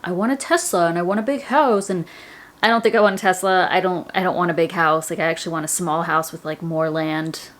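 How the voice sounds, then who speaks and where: A woman's voice: fairly low pitch, fairly quick, a bit bright. A woman, chatting casually to her viewers about her personal finance goals, rambling with lots of "like"s. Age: 30s. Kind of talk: casual chat to camera.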